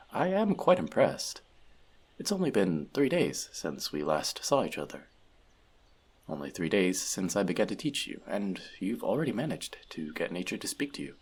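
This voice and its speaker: A man playing a wise, teasing, gentle elf friend and magic mentor in a fantasy audio roleplay, talking conversationally and reflectively to the listener. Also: deep voice, creaky, slightly rough, exaggerated voice. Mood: reflective, impressed. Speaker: voice actor.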